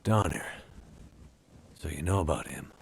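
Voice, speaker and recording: Low, gravelly, weary bush pilot. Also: male voice, a little slow, heavily acted. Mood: weary, wary. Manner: hesitant, terse, understated. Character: weary, guarded bush pilot Mackenzie, middle-aged man. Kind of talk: video game voice acting.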